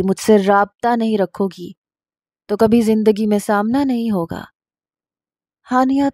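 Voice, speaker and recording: A woman's voice: medium pitch, warm tone, no room sound, clean studio sound, natural voice. A woman voicing an obsessive, jealous young man in a storybook reading, speaking in a heated, demanding way.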